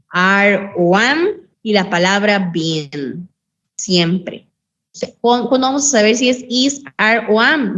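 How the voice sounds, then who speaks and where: Patient woman teacher on a lo-fi call. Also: on the high side. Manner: patient, repeats examples, says English phrases slowly. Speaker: English teacher. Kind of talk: online class lesson. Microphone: computer mic on a video call. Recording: dull lo-fi call audio, faint noise.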